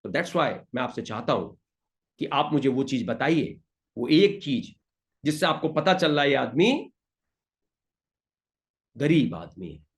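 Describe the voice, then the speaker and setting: A man leading an interactive motivational session. He coaxes the audience emphatically and reads out their answers with quick praise. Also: medium pitch, sing-song, creaky. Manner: emphatic, coaxing, repeats pleas to the audience. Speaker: motivational trainer.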